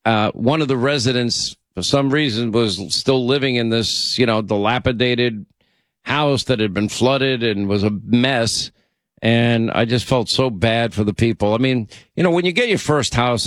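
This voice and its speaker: A man's voice: medium pitch, no echo. New guy hosting a call-in radio show, rambles a lot, dry close mic. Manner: chatty, rambling, self-interrupting. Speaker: radio talk show host. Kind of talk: casual call-in radio chat.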